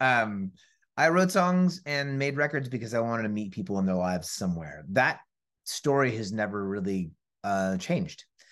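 A man with an American accent and a medium pitch talks at a moderate pace with very wide pitch swings over a quiet background. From US West Coast, San Francisco Bay Area. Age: 40s. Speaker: author and coach for artists and pastors. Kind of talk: interview conversation. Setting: remote recording.

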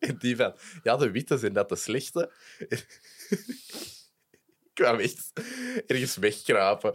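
A man with a Flemish accent, at a very slow pace, with long, frequent pauses. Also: very even loudness. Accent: Flemish Dutch. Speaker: podcast host. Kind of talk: casual chat and script reading.

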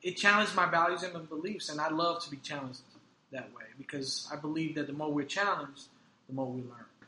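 A man with an American accent speaks at a very fast pace with ordinary pitch variation and big swings in loudness, over noticeable background noise. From New York. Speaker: reentry program director. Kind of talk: interview.

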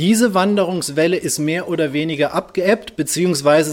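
A man with a plain, everyday voice speaks at a moderate pace with ordinary pitch variation. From Germany, Cologne. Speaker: economist. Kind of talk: lecture. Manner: formal.

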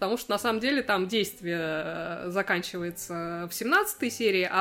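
A woman at medium pitch in a normal speaking voice, at a moderate pace. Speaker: podcast co-host. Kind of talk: casual chat. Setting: video call.

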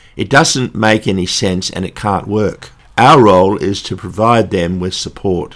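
Here a man talks with an Australian accent. His pitch is fairly low and his pace moderate. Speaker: community radio host. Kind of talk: radio commentary. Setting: studio.

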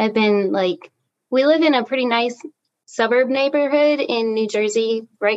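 Using a plain, everyday voice, a woman with an American accent speaks at a fairly high pitch with ordinary pitch variation. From US Midwest, Chicago. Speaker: veterinarian, association founder. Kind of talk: panel discussion.

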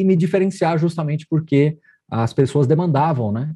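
A man speaks at a moderate pace with a fairly high pitch. His voice is somewhat breathy, with a dark, mellow tone. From Brazil, Goiás (Morrinhos). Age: 40s. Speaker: finance educator, real estate fund expert. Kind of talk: interview.

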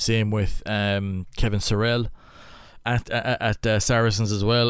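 A man in an Irish accent, fairly low in pitch and monotone with flat intonation, on a very clean recording with a silent background. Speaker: rugby podcaster. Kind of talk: solo listener-mail podcast. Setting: recording at a caravan park.

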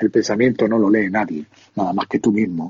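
A man speaks at a fairly low pitch. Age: 50s. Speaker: entrepreneur and author. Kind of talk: interview. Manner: animated.

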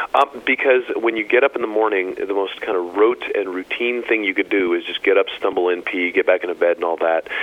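A man talks at a fairly quick pace with hardly any pauses. Noticeable background noise is present. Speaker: author and herbalist. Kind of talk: interview. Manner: casual, uses fillers.

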